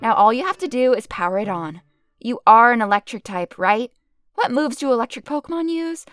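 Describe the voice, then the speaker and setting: A woman playing an irritable, gullible gym leader with a brash, sarcastic manner in an animated parody. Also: fairly high pitch, a little fast, no room sound, clean studio sound. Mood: exasperated.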